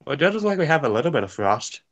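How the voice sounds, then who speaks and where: A man's voice: on the high side, sing-song, very fast. A man co-hosting a casual movie riff, dropping dry, teasing one-liners. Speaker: co-host.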